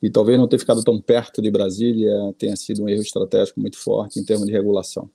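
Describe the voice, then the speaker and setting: Brazilian panelist, middle-aged man, low gravelly voice, halting, repeats himself. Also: flat delivery, warm tone, no room sound. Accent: Brazilian Portuguese. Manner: hesitant, repeats words, ends points with "tá?". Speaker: investor and board adviser. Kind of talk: panel discussion, conversational.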